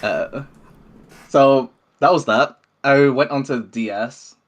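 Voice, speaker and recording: A man's voice: mid-range voice, slow pace, highs cut off. A man, talking casually as an interview guest. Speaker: interview guest, game developer. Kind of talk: casual chat.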